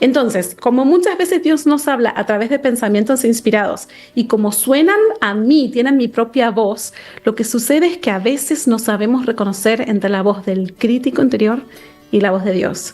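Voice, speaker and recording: With an Argentine accent, a woman speaks in a fairly high pitch. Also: lively intonation, moderate pace. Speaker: author. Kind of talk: interview.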